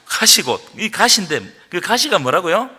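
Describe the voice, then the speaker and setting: A man preaching a Friday prayer meeting sermon, rising to loud, impassioned outbursts and prompting his congregation to answer. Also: high voice, sing-song, normal speed, slightly rough. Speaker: pastor. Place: church sanctuary. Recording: long reverb of a church hall.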